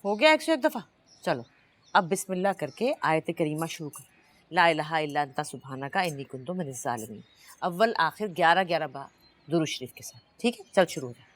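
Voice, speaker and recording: An actress playing a bossy, pious household woman who gives brisk commands, in Pakistani Urdu. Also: low-pitched, animated. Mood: commanding. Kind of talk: TV drama acting.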